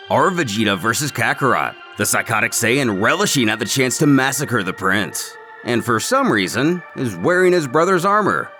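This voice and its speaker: Animated bright-voiced man narrating. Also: mid-range voice. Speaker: narrator of a comic recap series. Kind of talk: scripted story narration. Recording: music under the voice. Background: background music.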